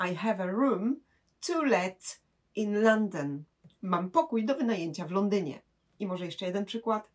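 A woman teaching English grammar, explaining patiently and saying English examples slowly and clearly. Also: mid-range voice.

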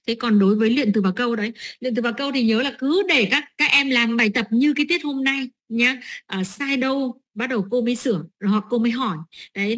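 A woman's voice: on the high side, a bit bright. A middle-aged woman training teachers, explaining lesson steps with many fillers and "right?" checks.

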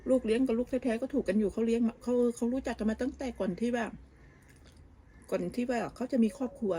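Her voice sits on the high side, mellow and fast, with slight background noise. The woman, a vlogger, gossips casually about family while cooking in her home kitchen abroad, often restarting and using many fillers.

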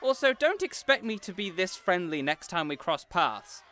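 Man as a boisterous, bright-voiced smug superhero. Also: high-pitched, sing-song, moderate pace, full character voice. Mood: cocky. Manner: loud, triumphant, chatty. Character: boisterous, smug male superhero, cheerful bruiser nemesis. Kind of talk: character audio roleplay acting.

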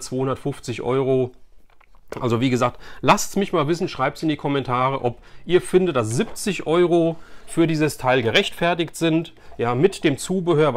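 Man, forties, mid-range voice, casual vlog chat, chatty storytelling, indoor recording. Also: mid-range voice. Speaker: host of a toy collecting channel. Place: small furnished room lined with collectible shelves, indoors.

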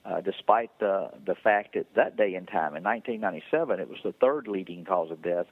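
Deep-voiced guy on a tinny phone line, lots of uhs and restarts, dry sound. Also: animated, breathy edge, no room sound. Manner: halting, many fillers and restarts. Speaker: interview guest, foundation founder. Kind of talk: phone interview.

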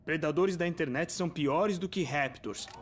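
An actor voicing a boastful, excitable punk teenage boy who plays online games. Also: a little high, moderate pace, close to an everyday voice. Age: teens. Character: cocky punk teen boy gamer. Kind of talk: cartoon voice acting. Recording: loud music bed.

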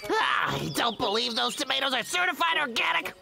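An actor voicing an excitable, grumbling male cartoon logger, hapless and dramatic, who whines and mutters to himself. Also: sits high, normal speed, creaky, over music, full character voice. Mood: grumbling, uneasy. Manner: whiny, exclamatory, muttering to himself. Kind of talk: exaggerated cartoon voice acting.

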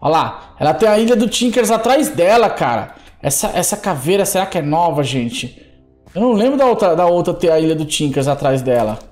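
A Brazilian man commentating his Minecraft play as a YouTuber, excitable, squealing and shouting when startled. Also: on the high side, a little fast, faint music behind. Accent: Brazilian Portuguese. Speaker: gaming YouTuber.

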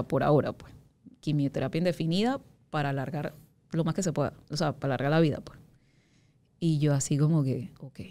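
A woman's voice: sits low, warm tone. A woman in her thirties, an interview guest, speaking frankly in long, looping sentences full of asides. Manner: frank, talks in long loops with many "o sea" asides. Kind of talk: candid conversational interview.

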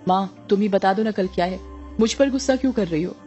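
Brief: an insistent young daughter, read by a woman, mellow voice, faint music underneath. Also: mid-range voice, fairly quick, dull audio, natural voice. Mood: questioning. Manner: insistent, pleading.

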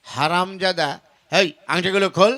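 A man's voice: high voice, fairly even intonation, normal speed, sharp tone. A man voicing an exasperated village father in a Bengali folk puppet comedy, scolding and questioning with exclamations. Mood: angry scolding. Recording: clear instrumental music with tabla behind. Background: folk music with tabla.

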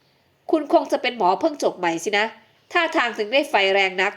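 A woman's voice: a little high, animated, moderate pace, fairly bright tone. A woman voicing a self-assured young male doctor who teases lightly in an audio novel. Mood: teasing.

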